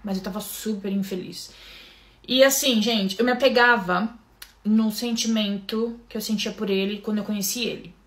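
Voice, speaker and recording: A woman from Brazil with a Brazilian Portuguese accent tells her own story to camera. She speaks softly and haltingly, often restarting and turning to her listeners. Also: mid-range voice, fairly even intonation.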